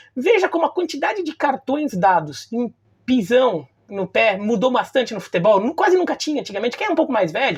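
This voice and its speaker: The speaker has a São Paulo accent. The pace is fairly quick. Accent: São Paulo accent, noticeable. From Brazil, São Paulo state. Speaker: football commentator, sports journalist. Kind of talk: casual vlog commentary. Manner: halting, many repetitions and fillers.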